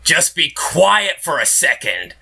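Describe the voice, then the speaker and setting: An actor in an audio drama playing a skeptical, level-headed royal attendant with a measured, deliberate delivery. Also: medium pitch, big pitch swings, creaky, sharp tone, a little hiss or hum, full character voice. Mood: exasperated.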